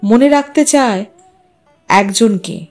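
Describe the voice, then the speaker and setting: A woman narrating a literary story in an expressive, measured, dramatic way. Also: on the high side, soft background music.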